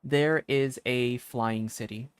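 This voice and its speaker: A man with a medium-pitched voice comments casually on a video game as he plays. He rambles into reflective asides. The sound is close and dry, with no room around it. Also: fairly even intonation, slow pace, clear, resonant tone, no echo. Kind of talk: casual live gameplay commentary.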